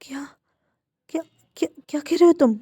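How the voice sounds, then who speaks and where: A woman's voice: a little high, steady tone, brisk, dark tone, dry recording, clean studio sound, close to an everyday voice. Woman doing a worried, protective aunt. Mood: alarmed worried. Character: caring, protective aunt, middle-aged woman.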